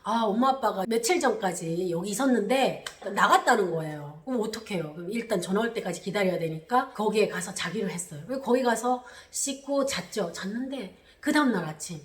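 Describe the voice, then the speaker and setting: A woman from Korea, telling a personal story on her channel in an animated way. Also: a little fast, roomy sound. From North Korea. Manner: animated, re-enacts quotes with loud high bursts. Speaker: channel host.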